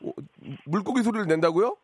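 A man hosting a phone-in radio show, teasing callers with deadpan banter. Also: sits high, fast talker, a little hiss or hum. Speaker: radio host. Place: radio studio.

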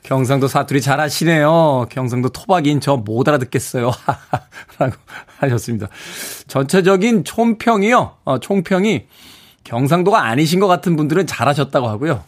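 A man's voice: fairly high pitch, animated, normal speed. A man hosting a morning radio show in a studio, chatty and chuckling as he reads out listener texts. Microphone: studio microphone.

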